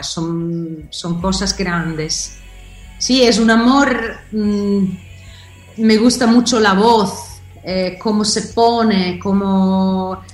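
A woman guest in a casual interview, talking hesitantly and searching for her words. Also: medium pitch. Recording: echoey room, faint music.

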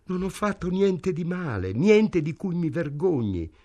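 A man's voice: a little high, very animated, a little slow, mellow, voice pushed up. A man reading an audiobook, voicing a frightened young woman who pleads in a hurt tone. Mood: hurt protest.

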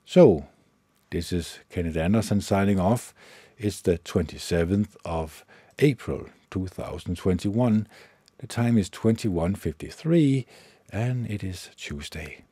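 Slow, deep-voiced Danish-accented man. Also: animated, warm tone, breathy edge, dry recording. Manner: slow, halting, many fillers and restarts. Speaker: podcast host. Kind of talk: solo meditation podcast talk.

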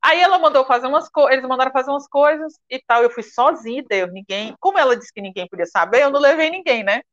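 Brazilian northeast lady, funny storyteller, kinda high voice, dull muffled sound. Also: quick pace. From Ceará, Brazil. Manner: animated, acts out quoted voices. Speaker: comedian guest. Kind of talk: casual storytelling interview.

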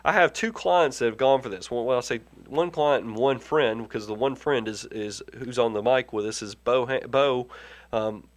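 A man's voice: mid-range voice, normal speed. A man hosting a financial advice show, talking through tax planning in an earnest, explanatory way with frequent restarts while fighting a head cold. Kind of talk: conversational radio-style advice.

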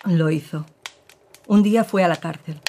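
An actress playing a woman who gravely recounts her partner's past in an audio drama, with measured, serious storytelling. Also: on the low side, background noise, lightly acted.

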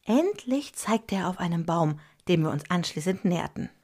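A woman narrating a scripted story in a gentle, measured storytelling manner. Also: on the low side, sing-song, slightly rough.

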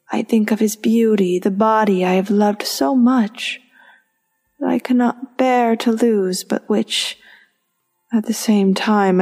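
A woman's voice: medium pitch, a little mellow, in a large hall. A woman playing a proud, wrathful, mocking goddess and sorceress in an audio drama, with an imperious, theatrical manner. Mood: torn, intense.

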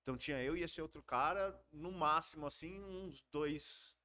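A man from Brazil telling stories from his youth in a casual podcast chat, slangy and animated. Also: on the high side, moderate pace. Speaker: podcast guest.

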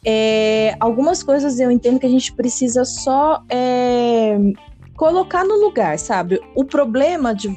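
A woman's voice: fairly high pitch, expressive, unhurried, mellow. A woman with a Brazilian Portuguese accent hosting a casual Christian podcast, chatty and full of tag questions. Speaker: podcast host. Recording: faint background music.

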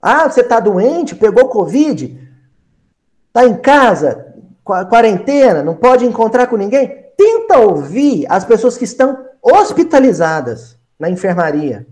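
A man with a Brazilian accent teaching a Spiritist gospel study, animated, acting out small scenes and repeating phrases for emphasis. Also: high-pitched, a little slow. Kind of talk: spoken gospel study lesson.

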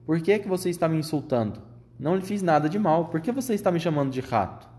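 A man's voice: on the high side, lively intonation, quick pace, voice pushed up, close to an everyday voice. A man doing an indignant spoiled boy-mouse. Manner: indignant, shouting.

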